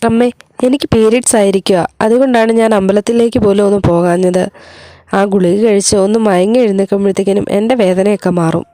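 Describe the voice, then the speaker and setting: An evasive young wife, as a woman reading the story puts her on, defensive and quick to make excuses. Her tone is mellow and soft, recorded dry and close. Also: medium pitch, steady tone, no room sound, lightly acted.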